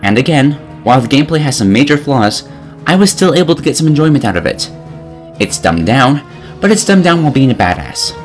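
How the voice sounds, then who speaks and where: A man's voice: medium pitch, big pitch swings, a little fast, faint music behind. A man narrating a scripted comedic game review in an exasperated, sarcastic way.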